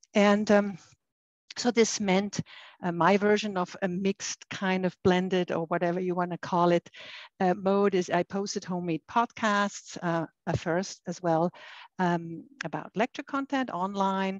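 A woman with a Swiss accent, fairly even intonation and a fairly slow pace, in a dry sound with no echo over a quiet background. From Switzerland. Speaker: university cartography lecturer. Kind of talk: panel presentation. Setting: video call. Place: home room. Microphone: video call.

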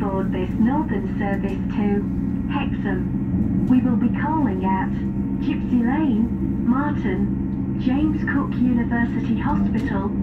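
Loud background noise runs through the clip. A woman talks at a very slow pace. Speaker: automated train announcer. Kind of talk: recorded public announcement. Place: train.

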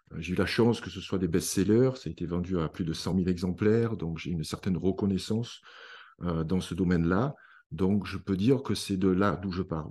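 This man's pitch is very deep and low, with a dark, mellow tone. His pitch varies in an ordinary way against a quiet background. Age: 50s. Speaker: author. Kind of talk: interview. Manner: halting, many fillers.

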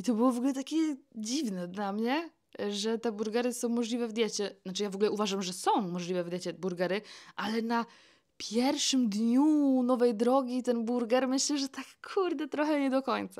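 Fairly high in pitch, a woman's voice moves with lively intonation. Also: fairly quick pace. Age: 20s. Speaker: YouTuber. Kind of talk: interview.

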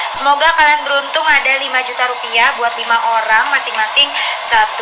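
A woman amid loud background noise. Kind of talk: casual vlog chat. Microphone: phone near.

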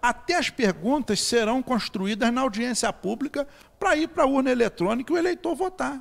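Lively in intonation, a man speaks at an extremely high pitch. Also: fairly quick pace. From Brazil, Teresópolis (Rio de Janeiro state); Rio de Janeiro state, Brazil. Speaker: city councillor; council guest. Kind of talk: TV interview. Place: studio. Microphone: handheld.

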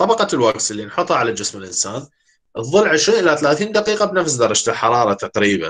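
A man with an Iraqi accent talks at a fairly quick pace, his pitch swinging very widely against a quiet background. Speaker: university lecturer. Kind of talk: lecture. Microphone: webcam.

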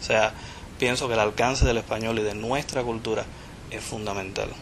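A man speaks at a medium pitch. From Cuba. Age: young. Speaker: writer and teacher. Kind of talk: radio interview. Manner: hesitant, many fillers.

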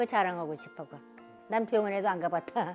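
A woman talks while music plays in the background. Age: 80s+. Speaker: member interviewee. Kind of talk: interview answer.

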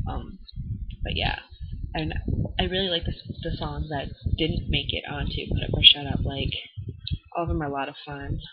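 Loud background noise runs behind a woman speaking at a moderate pace. Her pauses are long and frequent. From Minnesota. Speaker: video blogger. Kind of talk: casual vlog chat. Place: home room. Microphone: webcam.

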